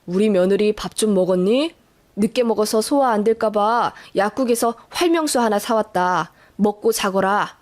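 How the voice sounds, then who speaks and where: A woman voicing a kind, gentle elderly father-in-law who speaks softly. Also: medium pitch, normal speed, natural voice. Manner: gentle, soft-spoken.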